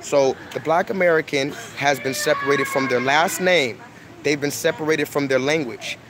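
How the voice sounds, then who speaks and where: Brief: young man, emphatic preachy vlogger, higher-pitched voice, loud street noise behind. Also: normal speed. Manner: emphatic, repeats himself, lectures. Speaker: online video host. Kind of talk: preachy casual monologue. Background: street noise, crying children.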